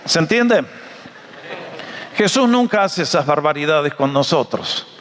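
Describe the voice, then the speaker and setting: A man preaching a sermon, animated and joking, often asking his audience questions. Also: fairly high pitch, a little slow, long reverb tail, a little hiss or hum. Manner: animated, jokey storyteller, asks the audience questions.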